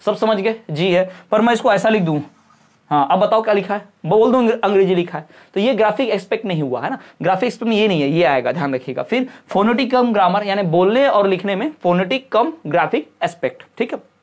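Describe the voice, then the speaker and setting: A woman's voice: medium pitch, animated, brisk, a little mellow. Woman teacher quizzing her class. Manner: repeats points, quizzes listeners with rhetorical questions; mixes read-out English terms into explanations. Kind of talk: exam-prep lecture.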